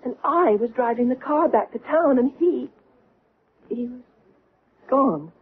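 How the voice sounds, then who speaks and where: An actress in a 1970s radio drama playing a bewildered, anxious young mother with a halting delivery. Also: sits high, lively intonation. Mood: shaken, recounting. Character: frightened, bewildered young mother, UFO witness. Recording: muffled, noisy old radio recording.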